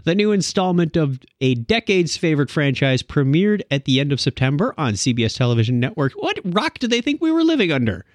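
A man's voice: on the high side, very animated, brisk, hardly any pauses, no room sound, clean studio sound. A man co-hosting a casual podcast, reading news items with a playful, laughing delivery. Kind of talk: casual chat.

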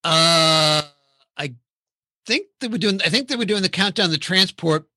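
Bright-voiced man hosting a film chat. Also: on the high side, normal speed, no room sound. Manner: leads the talk, steers topics, thinks aloud with restarts. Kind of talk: casual film discussion.

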